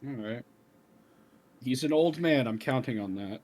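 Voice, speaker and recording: A man's voice: medium pitch, lively intonation, unhurried, a little mellow, a little hiss or hum. A man chatting casually as a player at a tabletop role-playing game.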